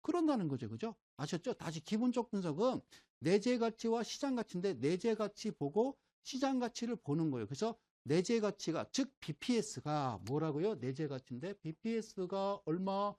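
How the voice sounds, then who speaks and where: Lively folksy middle-aged male lecturer. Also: high-pitched, moderate pace, few pauses. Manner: folksy, keeps asking "right?" to check the audience follows; explains with everyday homespun examples while drawing. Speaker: stock market lecturer. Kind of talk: informal recorded lecture.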